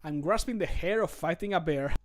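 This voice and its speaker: A man's voice: on the high side, a little fast, close to an everyday voice. Man acting an earnest fantasy game companion. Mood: wry punning. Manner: earnest, punning, apologetic. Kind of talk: game voice-line recording. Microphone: close home microphone.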